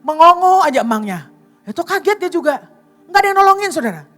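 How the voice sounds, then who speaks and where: A woman evangelist preaching a sermon in a lively, conversational way, telling a personal story and often addressing the congregation directly with tag questions and dramatic pauses. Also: very high-pitched, faint music behind. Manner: animated, addresses listeners as brothers and sisters.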